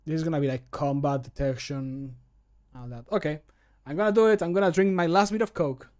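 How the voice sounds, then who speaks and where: A man's voice: on the high side, fairly quick, a little mellow, clear, resonant tone. A man in his thirties chatting casually and self-deprecatingly as he works, muttering to himself on a close microphone at home. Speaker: streamer and amateur voice actor. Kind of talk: casual chat while working. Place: home room, indoors. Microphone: close desk microphone.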